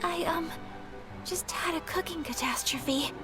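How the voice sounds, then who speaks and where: A woman voicing a composed young noble lady who speaks softly and formally, with game music behind. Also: very high-pitched, measured pace. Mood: polite. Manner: soft-spoken, formal, apologetic.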